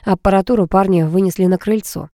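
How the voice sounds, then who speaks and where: A woman narrating a first-person story aloud, lively and teasing, with expressive dialogue. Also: medium pitch, fairly quick, dry recording, clean studio sound. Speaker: audiobook narrator.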